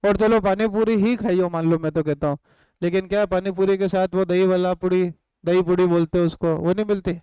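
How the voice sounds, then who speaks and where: A man's voice: high-pitched, steady tone, a little fast, mellow, clear, resonant tone, dry recording, rough recording. An economics teacher with an Indian accent, giving a live online lesson. He poses questions to the class, answers them himself and dictates notes word by word.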